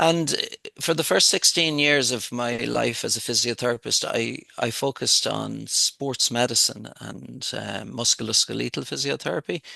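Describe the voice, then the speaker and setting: A man talks at a moderate pace with a western Irish accent. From Ireland, Sligo. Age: 50s. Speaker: physiotherapist and researcher. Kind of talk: interview. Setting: call.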